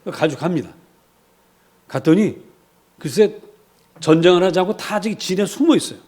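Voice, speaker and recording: A man's voice: high voice, lively intonation, normal speed, warm tone, breathy edge. A male pastor preaching a sermon in a church, telling stories animatedly, acting out quotes and having the congregation repeat after him.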